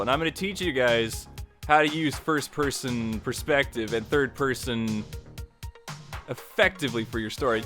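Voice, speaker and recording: A man's voice: mid-range voice, fairly bright tone. A man hosting a casual video lesson, chatty and enthusiastic, often restarting phrases and saying "you know". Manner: chatty, repeats words, lots of "you know". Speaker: online tutorial host.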